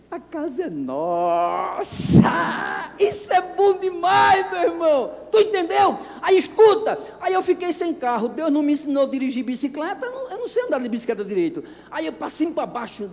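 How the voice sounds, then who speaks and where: High-voiced preacher in an echoing hall. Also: male voice, gravelly. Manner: animated, acts out dialogue, bursts into shouts. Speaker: pastor. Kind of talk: storytelling sermon. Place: church anniversary service. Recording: long reverb of a church hall.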